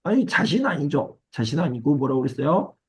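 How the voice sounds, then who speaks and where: A male teacher gives an exam-prep lesson in a husky voice with a gravelly edge. He works step by step, repeats key words and checks in with his students often. The sound is dry and close, with no room echo. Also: a little high, sing-song, fairly quick. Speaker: Korean language teacher.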